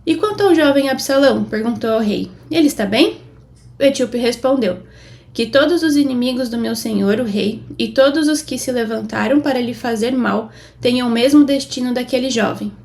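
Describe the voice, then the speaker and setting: A woman with a Brazilian Portuguese accent reading Bible passages aloud, with a steady delivery that lifts for quoted speech. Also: fairly high pitch, brisk, vocal fry. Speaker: Bible reader.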